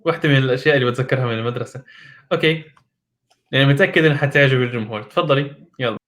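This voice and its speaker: A man's voice: mid-range voice, rapid-fire, fairly bright tone. A man with a Levantine Arabic accent, hosting in a casual, conversational way. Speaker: host.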